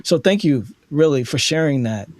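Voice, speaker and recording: A man's voice: on the high side, lively intonation, normal speed, dry recording. Man hosting an interview, dry close sound. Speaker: interview host. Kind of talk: conversational interview.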